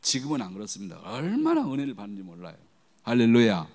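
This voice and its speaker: A middle-aged man preaching a sermon as a guest pastor, telling stories animatedly and acting out the voices he quotes. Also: fast. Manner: animated storytelling, acting out quoted voices with big pitch jumps. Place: church sanctuary. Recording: long hall reverb.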